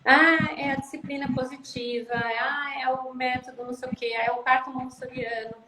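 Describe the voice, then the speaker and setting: A woman's voice: high voice, little pitch movement, moderate pace. A woman speech therapist talking about parenting on a live stream over a video call, emphatic and repeating phrases for stress. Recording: echoey room with loud background noise.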